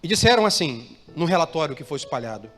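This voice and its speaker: Fast and very animated, a slightly high-voiced male pastor preaches in Brazilian Portuguese to a congregation gathered in a church hall. He prompts the crowd to echo his phrases and respond to him, while soft music plays in the reverberant room.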